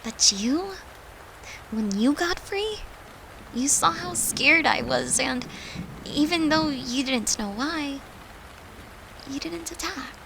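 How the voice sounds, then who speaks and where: A woman's voice: high voice, lively intonation, slow, long pauses, background noise, exaggerated voice. A woman playing a tender human girlfriend, an occult summoner confiding in her demon lover in an intimate, earnest audio roleplay. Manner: soft, earnest, confiding, with sighs and breathy laughs.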